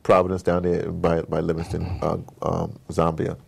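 A man's voice: sits low, monotone, normal speed, vocal fry, breathy edge. An American man telling rambling, opinionated stories in a casual interview, often digressing and acting out conversations. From United States. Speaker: interview guest, audio drama producer.

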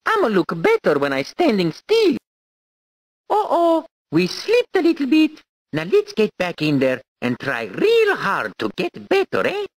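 A woman's voice: on the high side, huge pitch swings, unhurried, dry recording. A woman voicing a cheerful adult male Italian plumber hero in a video game, with an exaggerated Italian accent and a playful, exclamatory manner.

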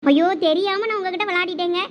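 Sharp-tongued young woman, high voice. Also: steady tone, a little hiss or hum. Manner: sharp, teasing, quick retorts. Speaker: sketch actor. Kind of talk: comedy skit acting.

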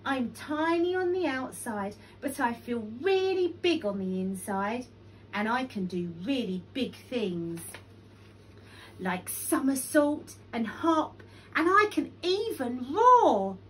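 Woman as a high, plucky tiny flea. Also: expressive, takes it slowly, a bit bright, distant mic, slight background noise, heavily acted, low-quality recording. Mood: encouraging. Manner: urgent, encouraging. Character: tiny, plucky, earnest flea friend urging courage. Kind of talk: animal storybook narration.

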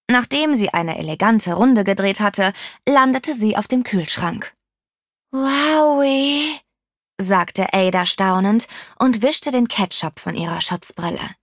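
A woman narrating a children's audiobook with lively, playful storytelling. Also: mid-range voice, a little slow, no room sound, studio quality.

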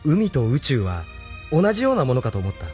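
Soft-spoken young hero, earnest, expressive pitch, music underneath. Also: male voice, a little fast. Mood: reflective. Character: thoughtful young male leader, gentle and earnest. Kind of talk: radio drama acting.

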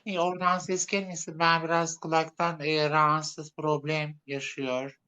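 A woman hosting a casual live chat, speaking in halting, broken, simplified phrases like a foreigner. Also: low voice, level tone, sharp tone, lo-fi sound. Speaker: live-stream host.

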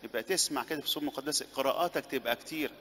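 Egyptian priest preaching in a reverberant church. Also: male voice, mid-range voice, racing, bright, forceful tone. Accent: Egyptian Arabic. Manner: conversational preaching with rhetorical questions and repeated phrases. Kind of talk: sermon. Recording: long church reverb, faint background noise.

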